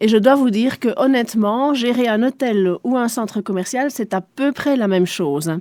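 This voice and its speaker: A dark, mellow tone with a German accent and ordinary pitch variation, spoken at a moderate pace. The recording is very clean, with a silent background. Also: woman. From Belgium, Spa area (Liège province). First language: German (speaking French). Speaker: shopping centre director. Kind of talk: radio interview.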